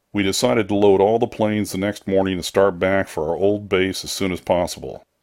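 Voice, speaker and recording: In a very clean recording with a silent background, a man with an ordinary speaking voice speaks at a fairly low pitch. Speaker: audiobook narrator. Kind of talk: audiobook reading.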